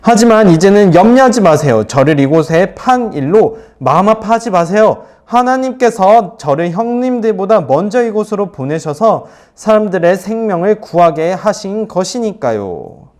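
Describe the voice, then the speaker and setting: A male youth preacher voicing Joseph as a gentle, reassuring grown man, in a lifted, soft tone. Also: big pitch swings, moderate pace, few pauses. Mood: comforting. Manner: soft, reassuring, raised pitch. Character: adult man Joseph, gently comforting his brothers.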